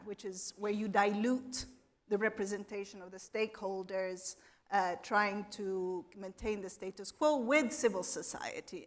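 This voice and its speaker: A woman speaking as a panelist at a conference, setting out her points one by one with a measured delivery. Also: medium pitch. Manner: measured, lays out points in order. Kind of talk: panel discussion. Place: conference hall.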